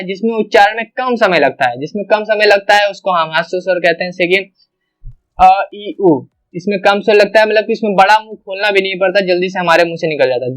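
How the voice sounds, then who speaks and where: A man with a high voice teaches an exam-prep grammar class. He explains each point step by step and says every example sound aloud, often twice. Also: a bit bright.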